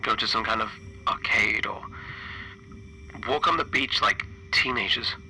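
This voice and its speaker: A man playing a stranded, grieving spaceship engineer recording a radio-like log for a horror tabletop game, halting and deliberate with long pauses. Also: fairly low pitch, sharp tone, a little hiss or hum, low-quality recording. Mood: wistful, bitter. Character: stranded male spaceship flight engineer, weary, grieving lone survivor.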